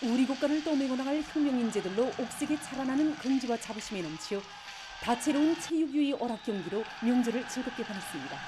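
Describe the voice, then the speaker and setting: A woman's voice: high voice, lively intonation, fast, very noisy. A woman with a North Korean accent reading formal scripted news in a solemn, declamatory state-broadcast manner. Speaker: news announcer.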